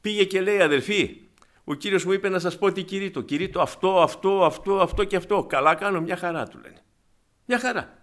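A man preaching a sermon to his congregation, animated and acting out the voices in his stories. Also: high voice. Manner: animated, acts out quoted voices; addresses congregation as brothers.

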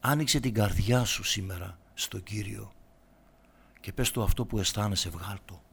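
Man, sermon, hushed prayer to loud preaching, bright tense tone. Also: on the low side, vocal fry, slight background noise. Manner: swings from soft, almost whispered prayer to loud impassioned preaching.

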